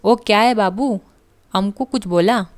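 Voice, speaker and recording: A woman playing a gruff male traveler, prayer beads, broken rough speech, menacing, storybook reading. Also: mid-range voice, a little slow, close to an everyday voice. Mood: gruff threatening.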